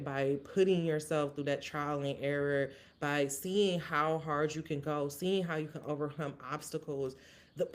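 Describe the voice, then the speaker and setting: A woman hosting a casual solo podcast recap, earnest and motivational, thinking aloud with many restarts. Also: deep voice. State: briefly emotional. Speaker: podcast host.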